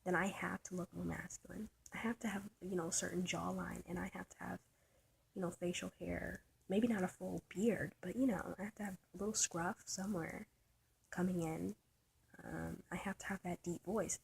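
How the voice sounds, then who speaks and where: A trans man with a soft, light voice, thinking aloud in a personal vlog, halting and searching, often trailing into a whisper. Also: high voice, steady tone, vocal fry, slight background noise. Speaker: vlogger. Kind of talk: personal reflective vlog monologue.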